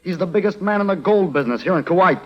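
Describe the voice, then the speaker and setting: A man's voice: sits high, quick pace, dull audio, lightly acted. An actor playing an eager, plain-spoken male pilot sidekick in a 1950s radio drama.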